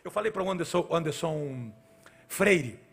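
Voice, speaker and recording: A man's voice: fairly high pitch, lively intonation, moderate pace, creaky, a bit bright. A male pastor preaching a sermon at a church service, in a fervent, sing-song style.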